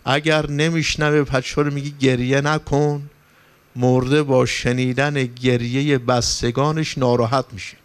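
A man's voice: medium pitch, level tone, smooth. A male cleric preaching a sermon in Persian, telling stories with passion and rising to emphatic, pleading points. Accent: Persian, from Iran. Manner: impassioned storytelling, rising for emphasis. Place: religious gathering hall.

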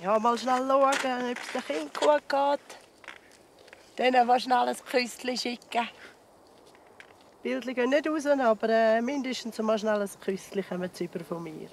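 A woman's voice: a little high, normal speed, slight background noise. Chatty Swiss German woman outdoors. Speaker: ski tourer. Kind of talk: casual chat to camera. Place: outdoors on a snowy glacier.

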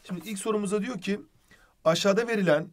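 Male literature teacher, higher-pitched voice, explanatory recap style, talks students through examples. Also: fast talker. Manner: explanatory, addresses students as friends, writes on board while talking. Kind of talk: online lesson recap.

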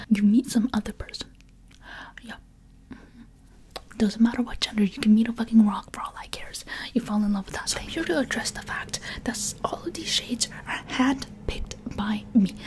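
A woman's voice: mid-range voice, darkish tone. Whispering young woman, playful ASMR. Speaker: ASMR video creator.

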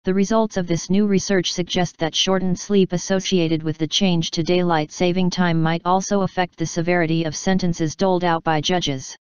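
A woman's voice: on the low side, level tone, normal speed, hardly any pauses, clean tone, no room sound, dull audio. A woman reading scripted text aloud as a narrator for English test practice.

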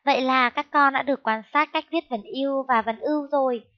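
A woman teaching a first-grade lesson, speaking slowly and clearly and spelling out syllables in a raised, sing-song voice. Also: high voice. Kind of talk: slow, clear classroom lesson. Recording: dull lo-fi sound.

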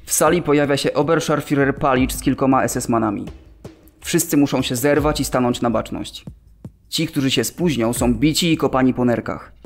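A man's voice: medium pitch, fairly quick, faint music behind, natural voice. An actor voicing a male camp prisoner giving a grave witness account in a radio drama. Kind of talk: scripted radio drama narration.

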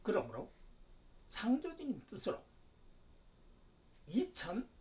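A man's voice: sits high, wildly swooping pitch, slow, darkish tone. A man in his seventies giving an emphatic religious lecture, declaiming with sudden rises and falls. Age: 70s. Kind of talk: preaching lecture. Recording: distant mic.

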